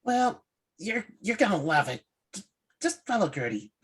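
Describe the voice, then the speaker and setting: A woman playing an awkward, eager young male horror-film fan in a screenplay table read, talking in a halting, rambling way. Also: mid-range voice, big pitch swings, husky. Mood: awkward, deflated.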